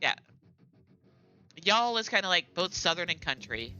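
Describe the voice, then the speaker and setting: Casting: a bright-voiced, rambling, middle-aged American mom chatting while she plays, music faint underneath. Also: lowish voice, very animated, measured pace, highs cut off. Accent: General American. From United States. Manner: chatty, rambling, lots of fillers and asides. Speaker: gaming streamer. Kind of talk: casual chat while playing a game.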